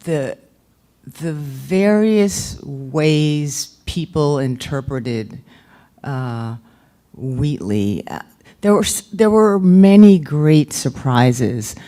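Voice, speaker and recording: Woman poetry editor presenting at a reading; slow and mellow, halting with fillers. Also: sits low, expressive. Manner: halting, thoughtful, many fillers. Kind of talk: literary reading and talk.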